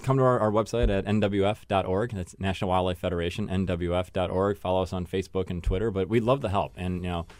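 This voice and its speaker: A man's voice: deep voice, fairly even intonation, fast talker, few pauses, darkish tone, no echo. A man being interviewed in a radio studio as an environmental advocate, earnest and full of fillers and restarts. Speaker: guest from an environmental group.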